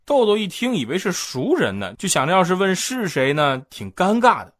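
A man hosting a comedy talk show, telling stories in a lively scripted monologue. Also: high voice, normal speed. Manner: lively storytelling. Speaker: host.

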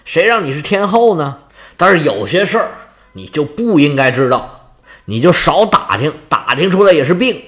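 A man voicing the male king of the gods, speaking low and hushed, guarded and boastful. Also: big pitch swings, normal speed. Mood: scolding.

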